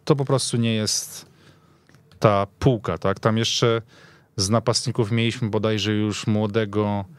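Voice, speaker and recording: A man's voice: lowish voice, steady tone, a little slow, clean tone, dry recording. A man giving opinionated, conversational football analysis, often checking in with short tag questions. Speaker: football pundit.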